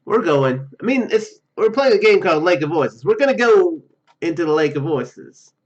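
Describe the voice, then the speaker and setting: A man's voice: high-pitched, very animated, normal speed, lo-fi sound. A man hosting a gaming video, reading game text aloud and commenting as he plays.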